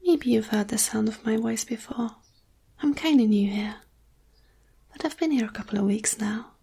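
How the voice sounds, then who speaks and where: A woman giving an intimate erotic ASMR monologue in a breathy whisper, with slow, sultry, pausing delivery. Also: on the high side, mellow. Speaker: erotic audio performer.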